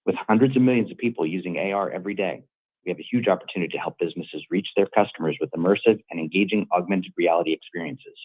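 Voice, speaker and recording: A low, rough-edged male voice comes over a narrow phone-like line. He is an operations executive presenting prepared remarks on an earnings call in a formal manner. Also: fast. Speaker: chief operating officer. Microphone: conference call line.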